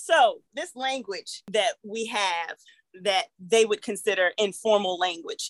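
A woman talking very slowly with very wide pitch swings, in a dry, close sound with no echo. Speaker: podcast host. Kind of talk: casual chat.

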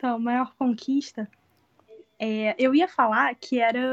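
A woman speaks in a high voice with ordinary pitch variation. The background is quiet, and the sound is dry and close with no echo. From Rio de Janeiro, Recreio. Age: 20s. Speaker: economics student. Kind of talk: interview.

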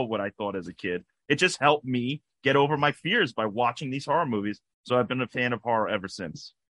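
A man with a New York accent and lively intonation. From Brooklyn and Long Island, New York. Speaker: musician and film producer. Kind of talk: casual chat. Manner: halting.

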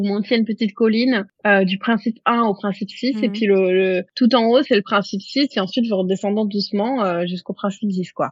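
Somewhat breathy, a woman of medium pitch speaks at a fairly quick pace. Her pitch variation is ordinary. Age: 30s. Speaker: fashion stylist. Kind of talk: casual interview chat.

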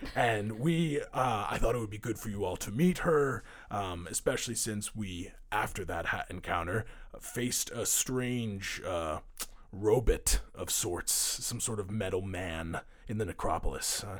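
Using a put-on character voice, a man speaks raspily at a fairly slow pace, his fairly low pitch moving with ordinary variation. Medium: actual play. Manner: earnest, officious.

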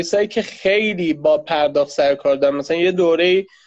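A man with a high voice talks at a fairly quick pace. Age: 30s. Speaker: fintech co-founder. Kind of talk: live-stream interview. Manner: halting.

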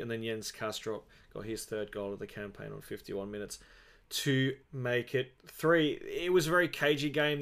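In an Australian accent, the speaker sounds animated and enthusiastic at a moderate pace on a very clean recording with a silent background. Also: man. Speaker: podcast host. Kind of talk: sports podcast review; sports commentary, describing goals. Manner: animated, enthusiastic; conversational, with fillers.

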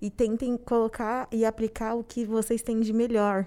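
In a very clean recording with a silent background, a woman speaks fairly slowly with a fairly high pitch and a dark, mellow tone. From São Paulo East Zone, Brazil. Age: 30s. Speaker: corporate trainee, economist. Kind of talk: casual interview chat.

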